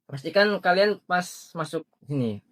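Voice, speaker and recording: A young man hosting a podcast in a relaxed, casual way, often filling pauses with soft hums and hesitations. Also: on the high side. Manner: relaxed questioning with many "eh" and "hmm" fillers. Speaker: podcast host. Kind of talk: casual chat.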